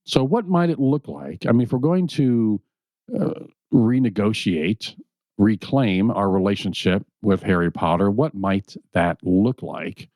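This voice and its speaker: A man co-hosts a podcast with playful, animated chatter and quick apologetic asides. His lowish voice swings widely in pitch. He is close to the mic in a dry room. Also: dry recording. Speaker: podcast co-host. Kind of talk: casual podcast chat. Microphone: headphones on, close mic.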